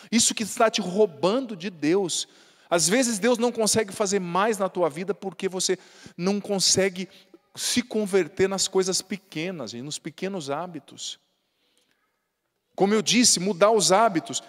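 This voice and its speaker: Brazilian man, priest, folksy sermon, high voice, long hall reverb. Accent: Brazilian Portuguese. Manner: folksy and humorous, often adds tag questions. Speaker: Catholic priest.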